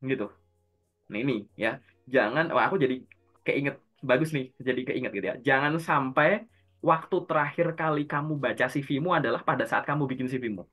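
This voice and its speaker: A man's voice: mid-range voice, moderate pace, fairly bright tone, faint music behind. A man coaching someone for job interviews over a video call. He explains step by step and asks and answers his own questions. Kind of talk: casual coaching session.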